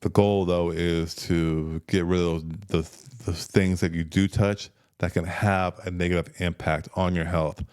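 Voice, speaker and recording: A man in his fifties talking casually as a health coach, relaxed and repeating words as he thinks. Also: low voice, a little slow, hardly any pauses, clear, resonant tone. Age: 50s. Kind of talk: casual conversational health talk.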